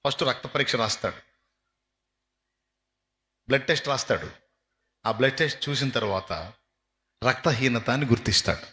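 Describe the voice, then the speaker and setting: Emphatic bright-voiced male pastor preaching. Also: medium pitch, moderate pace, pauses often. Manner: emphatic, acts out everyday dialogues. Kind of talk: sermon. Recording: echoey reverberant hall.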